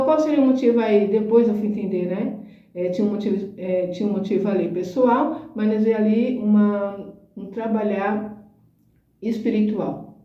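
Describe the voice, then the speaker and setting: A woman's voice: on the high side, far from the mic. A middle-aged woman hosting a talk, telling an emotional personal testimony and often adding little tag questions. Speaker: host. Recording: roomy echo, dull lo-fi sound.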